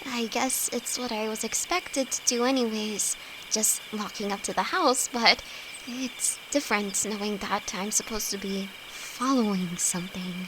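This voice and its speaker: Timid, high-voiced young apprentice alchemist played by a woman. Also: natural voice. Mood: anxious, grateful. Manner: nervous, stammering, hesitant. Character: timid, easily frightened young female apprentice alchemist, affectionate best friend. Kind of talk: intimate audio roleplay acting addressed to the listener. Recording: insect and cricket noise behind voice. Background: night forest ambience with crickets.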